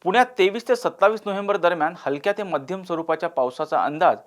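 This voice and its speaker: A male news anchor reading scripted news in a steady, formal delivery. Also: high voice, fast talker, faint music behind.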